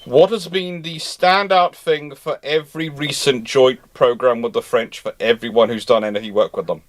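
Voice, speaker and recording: A man's voice: medium pitch, steady tone, normal speed. A man hosting a conversational live debate, probing and often repeating his words.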